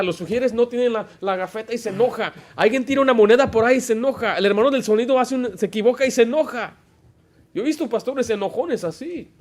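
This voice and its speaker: A man's voice: very high voice, a little mellow. A man, preaching a Baptist sermon as pastor, emphatic and full of stories and rhetorical questions. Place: church.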